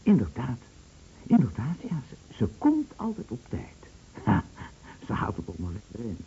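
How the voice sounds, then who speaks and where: An actor playing a chatty, teasing, fretful bedridden husband in a radio play, stammering and musing with theatrical emphasis. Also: male voice, mid-range voice, wildly swooping pitch, a little slow, creaky, warm tone, exaggerated voice. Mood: wry, musing. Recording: muffled old radio play recording, slight noise.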